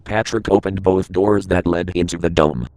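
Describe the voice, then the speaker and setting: Deep-voiced man narrating a horror story. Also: fairly even intonation, moderate pace, darkish tone, no echo.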